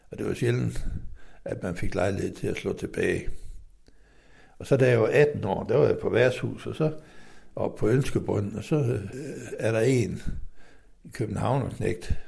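Middle-aged man from western Denmark, interview guest, very gravelly low voice, rambling stop-start storytelling. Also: a little mellow. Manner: rambling, halting with fillers and restarts.

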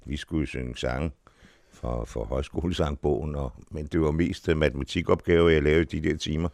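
An older man with a very low, gravelly voice tells stories from his past in an interview, unhurried and full of small restarts. He sounds close and dry, with no room around him. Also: steady tone, a little mellow, no room sound. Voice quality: deep voice. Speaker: actor, interview guest. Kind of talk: reminiscing in an interview.

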